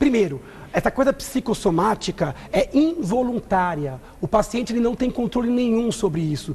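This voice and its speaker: At a moderate pace, a man with a high pitch speaks with lively intonation amid noticeable background noise. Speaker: neurologist. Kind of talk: TV interview.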